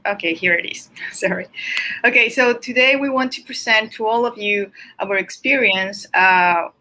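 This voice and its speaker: Colombian-born female professor, bright, flustered, lots of "uh"s, video call sound. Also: mid-range voice, low-quality recording. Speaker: assistant professor. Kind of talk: panel presentation.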